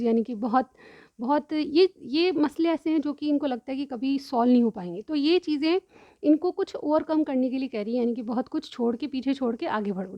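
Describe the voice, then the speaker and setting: Woman doing a tarot reading, kinda sore throat, high voice, dull lo-fi sound. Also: no echo. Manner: explains each card, repeats "theek hai" often. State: sore throat with frequent throat-clearing. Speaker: tarot reader. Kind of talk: tarot card reading for viewers.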